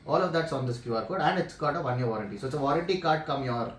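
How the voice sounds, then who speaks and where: A man's voice: medium pitch, rapid-fire. A man in his thirties with an Indian accent, casually explaining and demonstrating a product he helped develop. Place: hotel room, indoors. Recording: echoey room with noticeable background noise.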